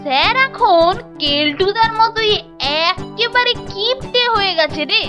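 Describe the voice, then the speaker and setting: A woman's voice: extremely high pitch, expressive, measured pace, music in the background. A woman voicing a small, naive, complaining schoolboy in a cartoon. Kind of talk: cartoon voice acting.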